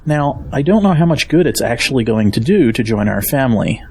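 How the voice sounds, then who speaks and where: A man acting a kindly, steadfast family man with a husky voice in a Christian audio drama. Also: medium pitch, expressive, brisk, darkish tone, a little hiss or hum. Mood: reassuring, practical.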